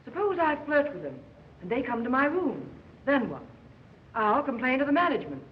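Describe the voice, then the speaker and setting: High-voiced schemer, early talkie film. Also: female voice, sing-song, moderate pace. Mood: sly, plotting. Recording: muffled, hissy 1920s film soundtrack.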